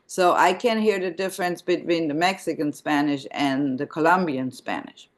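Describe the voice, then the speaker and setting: A woman's voice: sits low, moderate pace. A woman in casual conversation, explaining things by example.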